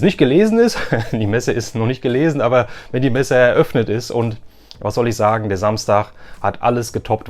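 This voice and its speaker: A male vlogger from Germany with a medium-pitched voice speaks directly to his audience. His delivery is casual and chatty, with an enthusiastic, conversational flow suited to a hobby recap video. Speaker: YouTube vlogger and toy collector.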